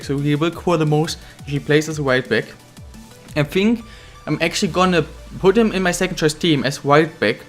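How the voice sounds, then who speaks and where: A young man with a slightly higher voice runs through his squad plans in loose, rambling gaming commentary. His voice is a bit weak from being ill, and he stumbles, restarts and fills gaps with "um". Faint music plays underneath. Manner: rambling, many restarts and fillers, non-native phrasing. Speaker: gaming YouTuber. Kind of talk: casual career-mode commentary.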